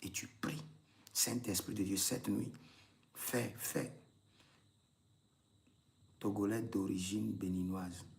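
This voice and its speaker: A man's voice: fairly low pitch, fairly even intonation, takes it slowly, gravelly, long pauses, a little mellow. A man, a prophet leading a live prayer session, repeating intense commands and breaking into tongues.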